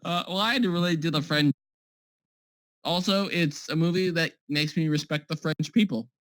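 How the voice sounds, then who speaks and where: A man's voice: on the high side, moderate pace, fairly bright tone, no echo, poor audio. A man co-hosting a casual podcast over a call, rambling and joking, often restarting and apologizing. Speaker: podcast co-host.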